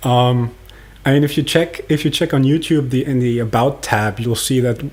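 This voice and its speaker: A man with a German accent speaks at a moderate pace and medium pitch, intonation fairly even, over noticeable background noise. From Germany. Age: 20s. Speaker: physiotherapy educator. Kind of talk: podcast interview.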